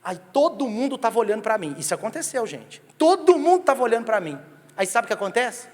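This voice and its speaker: A man's voice: high-pitched, fast talker. A Brazilian man in his thirties preaching a sermon as pastor, telling humorous stories and joking with the congregation. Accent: Brazilian Portuguese. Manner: humorous, animated storytelling that jokes with the congregation. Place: church sanctuary. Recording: long reverb of a church hall.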